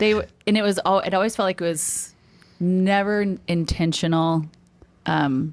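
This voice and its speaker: A woman with an American accent and an unremarkable speaking voice talks at medium pitch with fairly even intonation and very even loudness on a very clean recording with a silent background. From Missouri Ozarks. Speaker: business founder. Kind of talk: podcast interview answer.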